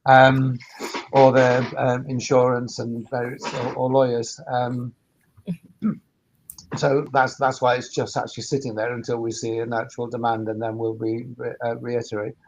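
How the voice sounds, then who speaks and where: A man's voice: mid-range voice, little pitch movement, measured pace, low-quality recording. A man talking casually as a panelist on a webinar, with hesitant, stop-start phrasing. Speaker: workspace operator and former sound engineer.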